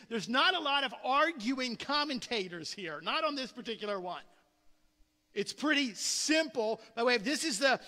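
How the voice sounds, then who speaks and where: High-voiced pastor preaching in a reverberant hall. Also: male voice, sharp tone. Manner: conversational, repeats words, acts out quotes. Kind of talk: sermon. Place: church sanctuary.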